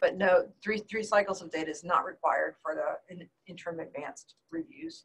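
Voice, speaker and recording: A somewhat breathy woman, very wide pitch swings, big swings in loudness and hardly any pauses. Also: medium pitch for a woman. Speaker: accreditation official presenting a webinar. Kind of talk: instructional webinar. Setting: webinar room. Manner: fast.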